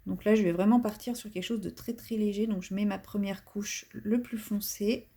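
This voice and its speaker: This color-along commentary comes from a woman who hosts a coloring channel, speaking at normal speed in a warm, husky mid-range voice with fairly even intonation. Chatty and self-mocking, she wanders through her thoughts with lots of fillers and restarts while coloring.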